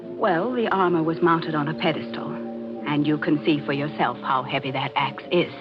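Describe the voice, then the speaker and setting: An actress playing an intense, insistent woman with an obsessive streak, dramatic and deliberate in 1940s radio mystery style. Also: deep voice, natural voice. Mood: uneasy. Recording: muffled old-time radio recording with music.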